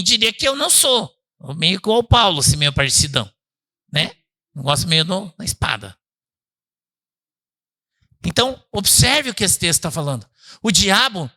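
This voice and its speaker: A man preaching a conversational sermon as pastor at a church service, often asking the listeners "né?" and calling them brother, swinging between loud emphatic bursts and low quiet asides. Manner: chatty, asks the congregation "né?" and calls them "irmão".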